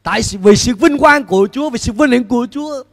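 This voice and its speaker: A middle-aged man preaching a sermon as pastor on a church stage with a handheld mic, animated and putting questions to the congregation. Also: very high voice, fast. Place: church stage before a large screen, indoors. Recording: long hall reverb in a large church.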